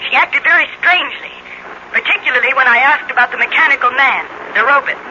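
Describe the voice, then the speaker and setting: An actress playing a concerned, polite neighbor, earnest and a little hesitant, in a 1950s radio drama. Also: female voice, high voice, fast talker, close to an everyday voice. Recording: dull noisy old radio recording.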